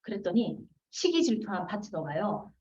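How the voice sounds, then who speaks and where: A woman's voice: mid-range voice, sing-song, normal speed, warm tone. A woman in her forties giving a seminar talk on teamwork, often asking the audience questions and answering them herself. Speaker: business seminar speaker. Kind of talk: seminar lecture. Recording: roomy, distant, dull lo-fi hall recording.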